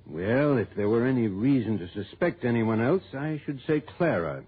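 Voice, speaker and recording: A man's voice: mid-range voice, lively intonation, moderate pace, slightly rough. An actor playing an opinionated, folksy male client who insists on his suspicions, in 1960s radio drama style. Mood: insistent. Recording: tinny old radio broadcast.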